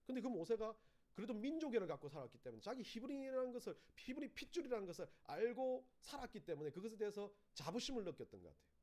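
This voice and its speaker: Male preacher, storytelling sermon delivery, high and animated. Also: rapid-fire. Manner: animated storytelling, acting out quoted voices. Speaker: pastor.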